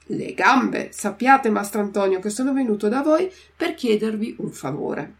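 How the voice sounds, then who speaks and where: A woman voicing a hot-tempered old male woodcarver who is quick to take offence and shout, in a storybook reading. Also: medium pitch, lively intonation, natural voice. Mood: eager.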